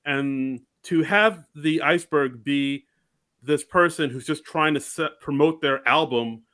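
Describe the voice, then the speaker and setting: A man co-hosting a casual comedy podcast, enthusiastic and quick to laugh, often restarting his sentences. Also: fairly high pitch, a bit bright. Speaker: podcast co-host.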